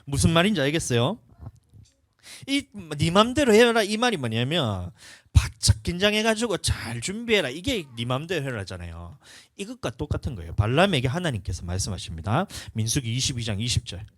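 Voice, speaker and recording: Animated male pastor preaching. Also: mid-range voice, brisk, no echo, studio quality. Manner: animated storytelling, acts out dialogue in different voices. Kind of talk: sermon.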